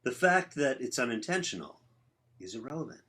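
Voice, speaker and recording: A man's voice: medium pitch, very animated, brisk, fairly bright tone. A man playing an earnest, bookish rock musician who explains ideas in a conversational play reading. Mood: matter-of-fact. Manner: explanatory, intellectual. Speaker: actor in a staged reading.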